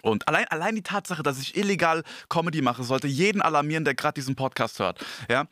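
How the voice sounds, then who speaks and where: A man's voice: fairly high pitch, fast talker, sharp tone, dry recording, clean studio sound. A man, a comedian, talking in a casual podcast chat in crude slang and getting worked up as he rants. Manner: crude slangy rant, growing heated.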